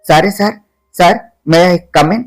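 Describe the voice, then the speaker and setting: The storyteller plays Manu, a pert, quick-witted young woman who talks back to her boss. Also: on the low side, faint music behind, pitched below the performer's own voice. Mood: cheeky. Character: cheeky young woman, new office assistant.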